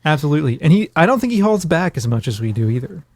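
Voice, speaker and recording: A man's voice: on the high side, big pitch swings, fast talker, no room sound. A man co-hosting a podcast in casual chat, rambling and self-deprecating with jokes. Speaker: podcast co-host.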